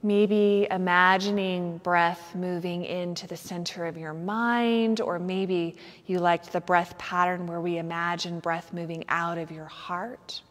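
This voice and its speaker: A woman teaching yoga nidra, guiding a meditation in a soothing, gentle manner with unhurried pauses. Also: on the low side, steady tone. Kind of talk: guided meditation instruction. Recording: long hall-like reverb.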